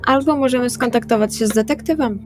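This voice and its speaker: A woman's voice: fairly high pitch, fast. A woman playing in a tabletop role-playing session, speaking casually and partly in character. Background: background music.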